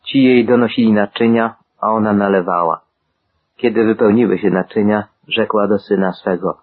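A man giving a steady, measured Bible reading, voicing the quoted dialogue in the same even manner. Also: on the low side, slightly rough, phone-quality sound. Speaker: scripture reader.

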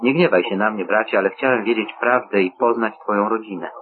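A man reading the part of a devout old blind father in a measured, solemn scripture reading, on a tinny phone-like line. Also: fairly low pitch, slight background noise, lightly acted. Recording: tinny phone-like radio sound.

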